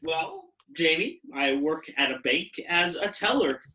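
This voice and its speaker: A man's voice: a little high, very animated, a little slow, sharp tone, heavily acted. A man playing a proud, chatty husband as a game show contestant in a comedy sketch. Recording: echoey room.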